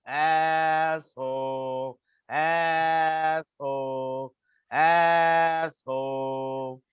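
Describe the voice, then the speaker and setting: A woman's voice: deep voice, steady tone, very slow, clean tone, no room sound. A woman playing a jeering wrestling fan, chanting repetitively in a staged reading. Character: jeering, heckling wrestling crowd member. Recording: dull lo-fi audio.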